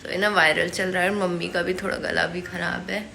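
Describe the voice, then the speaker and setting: A woman's voice: fairly low pitch, flat delivery, brisk, creaky, bright, forceful tone, slight background noise. Chatty young woman with a sore throat. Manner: chatty, rambling, many fillers. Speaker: family vlogger. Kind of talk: casual home vlog chat.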